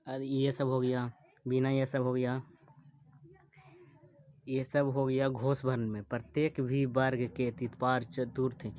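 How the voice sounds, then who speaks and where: Guy slowly going through a grammar lesson, monotone, keeps repeating the terms, dry close sound. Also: mid-range voice, dry recording. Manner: repeats terms and examples slowly, thinking aloud. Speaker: teacher. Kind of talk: Hindi grammar lesson over screen recording.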